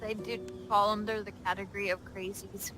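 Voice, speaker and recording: A woman's voice: mid-range voice, level tone, a little fast, music in the background, rough recording. A woman improvising casual in-character talk as a player in a tabletop role-playing game.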